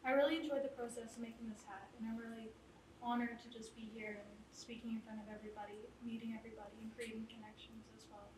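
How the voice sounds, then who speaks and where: A quiet-voiced young woman from Ontario, a beading artist, speaking shyly and hesitantly to a group, with many fillers. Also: a little high, level tone, fast talker. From Ontario, Canada. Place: indoor exhibit hall. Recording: echoey room, distant, with background noise.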